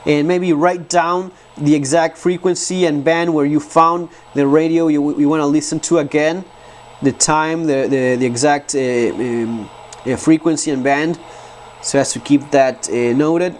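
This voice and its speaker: Higher-pitched man giving a casual, halting demo. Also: fairly even intonation, slight background noise. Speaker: survivalism video host. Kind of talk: casual product demonstration talk.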